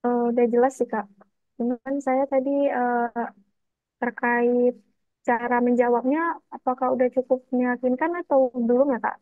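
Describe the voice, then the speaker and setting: A woman's voice: on the high side, steady tone, a little slow, long pauses, dry recording. Hesitant woman on tinny call audio. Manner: hesitant, polite. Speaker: scholarship applicant. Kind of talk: casual chat. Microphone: video call.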